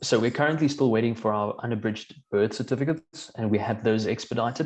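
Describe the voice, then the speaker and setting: A man with a South African accent talks at a very fast pace. His pitch is medium, with ordinary variation. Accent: sounds English-speaking South African. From South Africa, Pretoria area. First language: Afrikaans. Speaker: occupational hygienist, immigrant. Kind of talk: interview.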